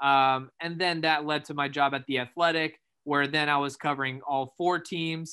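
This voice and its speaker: A fairly high-pitched man with an American accent speaks in a monotone, flat intonation. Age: 20s. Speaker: sports journalist. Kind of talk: casual interview chat.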